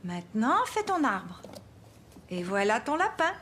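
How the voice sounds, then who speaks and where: A woman voicing a gentle, patient young mother in a children's cartoon dub, encouraging and explaining things step by step. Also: on the high side, very animated, a little slow, a little hiss or hum.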